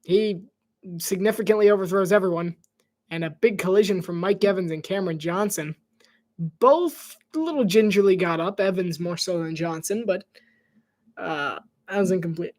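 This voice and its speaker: A man's voice: sits high, moderate pace. Chatty play-by-play livestream commentator, male. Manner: chatty, rambling asides, frequent laughs; drops to soft whispered asides. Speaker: live game commentator.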